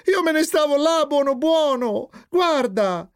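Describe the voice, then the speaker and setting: A man voicing a timid little boy who wails and pleads in a high, tearful voice. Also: lively intonation, measured pace, exaggerated voice. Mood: pleading. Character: small frightened boy, whiny, tearful.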